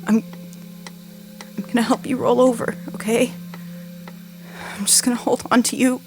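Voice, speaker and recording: A woman playing a frightened, injured young crash survivor in an audio drama, halting and pleading as she repeats herself. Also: a little high, little pitch movement, music in the background, lightly acted. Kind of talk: naturalistic audio drama acting.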